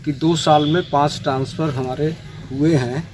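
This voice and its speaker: A middle-aged man, a government officer explaining himself haltingly and repetitively in an interview. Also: a little high, fairly even intonation. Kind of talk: spontaneous interview answers. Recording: noisy location recording with birdsong.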